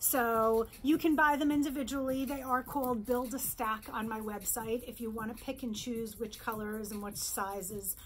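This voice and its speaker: A middle-aged woman from New York, a jewelry designer, presenting her bracelets in a bright, chatty sales pitch in her showroom, close to the camera. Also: steady tone, moderate pace, hardly any pauses, slight background noise. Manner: upbeat, chatty sales pitch, holds up pieces. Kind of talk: virtual trade show product presentation. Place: indoor showroom with jewelry displays.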